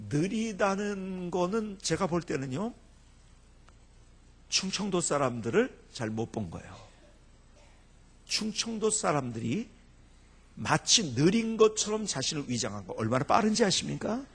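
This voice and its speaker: A man's voice: high voice, moderate pace, pauses often, slightly rough. A middle-aged man from Chungcheong in South Korea, a pastor telling humorous stories in a revival sermon and mimicking people as he goes. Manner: animated storytelling, mimics dialect and quotes. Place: church sanctuary.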